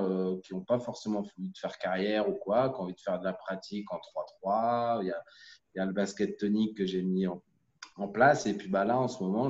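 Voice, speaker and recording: A man from the Paris region, an amateur basketball coach, thinks aloud in a hesitant, reflective way, full of pauses and fillers. His voice sits low. The call audio is roomy and muffled. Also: a little mellow. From Paris region, France.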